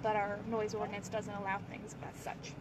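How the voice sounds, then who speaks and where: A woman police officer outdoors in a park, calmly and politely explaining a rule, a little halting. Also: medium pitch, background noise. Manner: calm, measured, a bit halting.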